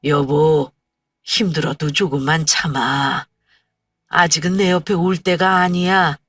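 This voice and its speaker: A woman voicing a hot-tempered older husband who is gruff but caring and barks blunt short lines. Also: medium pitch, lively intonation, slow, a bit bright, no room sound. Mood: soothing. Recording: dry, slightly distant, faint music.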